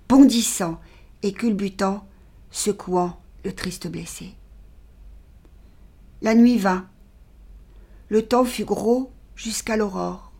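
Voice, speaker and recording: A woman reads a dark story aloud in a husky, breathy voice of middling pitch. Her delivery is measured and dramatic, and at grim moments she sinks almost to a whisper. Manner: measured, dropping to a near-whisper in grim passages. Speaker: actress reading a short story. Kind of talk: dramatic literary reading.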